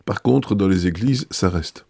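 A man, a bishop answering interview questions in a thoughtful, hesitant way with many pauses. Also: low voice, animated, creaky, warm tone, breathy edge, no echo, studio quality.

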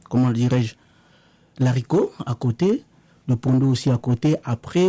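Congolese man, Lingala native speaker, very dark timbre, dry close sound, halting guest explaining a dish. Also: mid-range voice, no room sound. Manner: halting, many restarts and fillers. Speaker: guest sharing a recipe. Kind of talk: radio interview, casual explaining.

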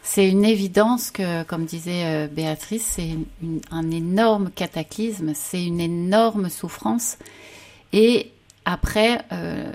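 Soft-spoken woman, reflective faith testimony. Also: on the low side. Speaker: panel guest, mother of children. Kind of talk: personal faith testimony in conversation.

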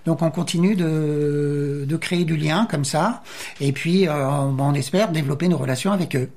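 A man's voice: a little high, moderate pace, a little mellow. Earnest man explaining at length. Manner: earnest, explanatory, many hesitations. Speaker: association treasurer, guest. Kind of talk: radio interview.

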